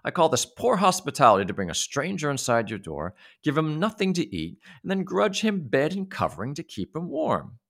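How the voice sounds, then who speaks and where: A man voicing a grumpy, greedy little old man who shouts and demands. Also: huge pitch swings, normal speed, vocal fry, few pauses, full character voice. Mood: grumbling demanding. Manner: high, blustering, demanding.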